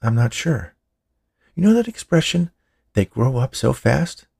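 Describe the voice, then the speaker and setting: A man voicing a puzzled, blunt family doctor in an audiobook, explaining in a measured, emphatic way. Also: medium pitch, very animated, vocal fry, a little mellow, breathy edge, no room sound, clean studio sound, pitched above the performer's own voice, exaggerated voice. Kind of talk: audiobook character dialogue.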